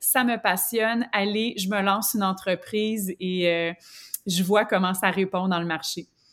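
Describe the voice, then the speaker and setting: With a Quebec accent and fairly even intonation, the speaker goes at a fairly slow pace on a very clean recording with a silent background. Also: woman, medium pitch for a woman. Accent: Québécois French. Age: 40s. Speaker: yoga teacher. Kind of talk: casual interview chat.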